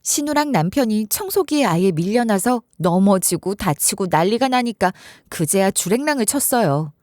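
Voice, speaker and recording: Lively, animated woman story narrator. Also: mid-range voice, moderate pace, dry recording, clean studio sound. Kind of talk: scripted first-person story narration.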